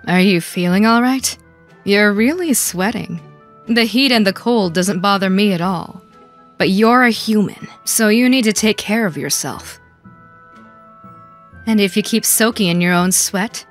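A woman's voice: mid-range voice, unhurried, faint music behind, lightly acted. Woman as stern, blunt anime heroine. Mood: matter-of-fact. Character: stern, blunt, determined young woman fighter. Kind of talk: fan dub of anime game.

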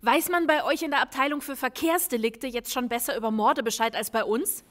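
An actress playing a brisk, blunt female police lieutenant in an audio crime drama, firm and matter-of-fact. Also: fairly high pitch, fairly bright tone, lightly acted. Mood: irritated. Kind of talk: German audio drama acting.

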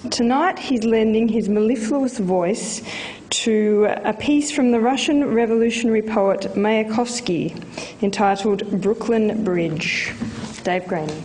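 A woman's voice: on the high side, measured pace, a little mellow, a little hiss or hum, poor audio. A woman hosting a live event, giving a scripted introduction with playful ad-libs. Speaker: host.

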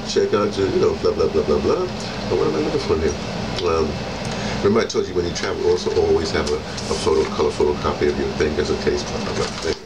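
A low-pitched American man in his sixties rambles casually, thinking aloud as he goes. He sounds a little way from the microphone. Loud air-conditioning noise fills the room around him. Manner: digressive, halting, thinking aloud. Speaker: travel vlogger. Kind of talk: casual rambling chat to camera. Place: hostel lounge, small indoor room. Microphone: camera mic on the table, a short way off. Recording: noisy air-conditioning hum, distant microphone.

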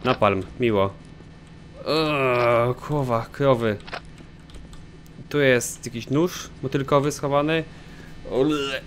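A man giving excitable let's play commentary, swearing often as he plays. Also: medium pitch, takes it slowly, long pauses, slight background noise. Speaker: gaming commentator.

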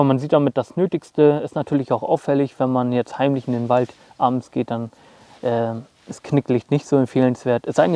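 Young male gear vlogger, chatty and informal, medium pitch, dry clip-mic sound outdoors. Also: dark tone, no echo. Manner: chatty, lots of fillers, addresses viewers directly. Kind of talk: casual gear walkthrough. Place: snowy woods outdoors.

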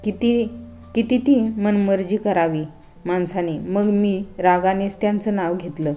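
A woman storyteller narrating a first-person love story in a calm, even way. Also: mid-range voice, measured pace, faint music behind.

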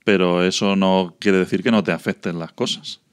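Guy, really deep smooth voice, calm podcast talk. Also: normal speed, no room sound, studio quality. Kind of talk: podcast conversation.

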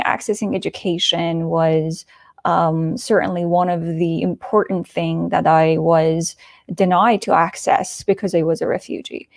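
Earnest woman speaker, low dry voice. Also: a little mellow, dry recording. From Afghanistan. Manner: earnest, frequent "um" fillers. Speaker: conference speaker. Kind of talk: prepared talk over video call. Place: small indoor room with wood panelling. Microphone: earphone headset mic on video call.

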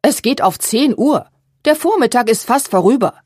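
A woman voicing a strict middle-aged shop owner who is quick to anger, in an audiobook, with a breathy voice. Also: lowish voice, a little mellow, no echo, clean studio sound. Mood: stern. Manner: stern, indignant.

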